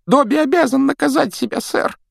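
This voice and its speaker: A man voicing a tearful, groveling male house-elf with a shrill, squealing, wailing voice in an audiobook reading. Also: brisk, creaky, dry recording, exaggerated voice. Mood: pleading, fervent. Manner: squealing, wailing, self-pitying. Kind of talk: audiobook character voice.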